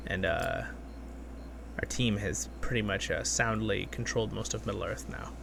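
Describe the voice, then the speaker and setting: A man hosting a gaming video with casual, excitable commentary, talking half to himself and half to his viewers. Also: lowish voice, a little slow, vocal fry, noisy background. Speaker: gaming channel host. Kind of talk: casual gameplay commentary, with expressive story reading.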